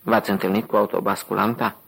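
A man reading the lines of a mocking, gum-chewing armed guard, with a low, husky, gravelly voice and an insolent drawl. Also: flat delivery, a bit bright, full character voice.

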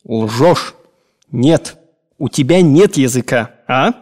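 A man reading an audiobook, voicing a grumbling, tyrannical old gentleman with a nagging, theatrical way of talking. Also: mid-range voice, lively intonation, slow. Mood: interrogating.

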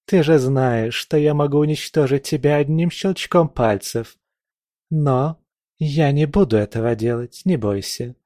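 A man's voice: a little high, a little slow, dry recording, studio quality, voice pushed up, natural voice. A man voicing a haughty, scornful young princess who mocks and barks orders. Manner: mocking, imperious, shouting.

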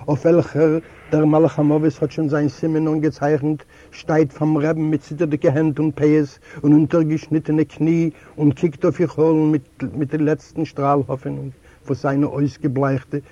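A man, a native Yiddish speaker from Eastern Europe, narrating a literary audiobook in a measured, deliberate way. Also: a little high, warm tone, lo-fi sound. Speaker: audiobook reader.

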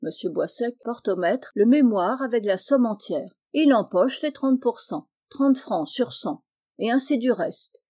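A woman's voice: fairly high pitch, lively intonation, unhurried, a little mellow. A woman voicing a boastful, scheming young man in a storybook reading, smug and offhand.

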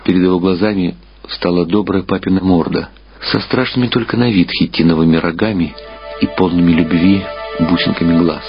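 Calm male radio story narrator. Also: sits low, a little fast. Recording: dull archival radio recording with loud music.

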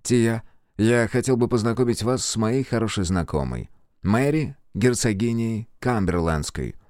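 A man reading a courteous, brisk gentleman scholar of magic in his own low voice. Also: animated, no room sound, studio quality.

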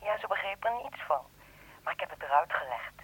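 Husky, insistent woman caller. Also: low-pitched, expressive, a little fast, fairly bright tone, heavily acted, poor audio. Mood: reassuring. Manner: persuasive, urging, reassuring. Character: lonely, insistent, generous woman on the telephone. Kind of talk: radio play acting.

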